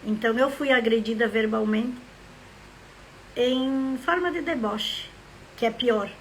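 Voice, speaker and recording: A woman's voice: fairly high pitch, unhurried, slight background noise, rough recording. A woman from southern Brazil hosting a live stream, greeting viewers by name and drifting into reflective, rambling talk. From Rio Grande do Sul, Brazil. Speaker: live stream host, member of a literary academy.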